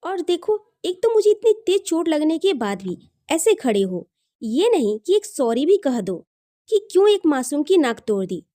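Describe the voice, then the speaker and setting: Woman voicing a feisty, high-pitched young woman. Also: very animated, normal speed, warm tone. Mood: pained, complaining. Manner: scolding, dramatic, mixing in English words. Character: feisty, indignant young woman hotel employee, proud and dramatic. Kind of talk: dramatised audio love story dialogue.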